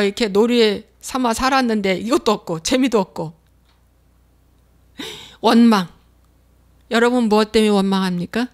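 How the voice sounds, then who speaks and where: A woman pastor with a slightly high voice preaches a sermon with emphasis. She repeats key phrases and acts out the voices of complaining believers.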